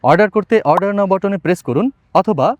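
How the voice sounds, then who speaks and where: Casting: male voice-over artist, high pitch, brisk delivery for product promo reads. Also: no room sound. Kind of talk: scripted promotional ad narration.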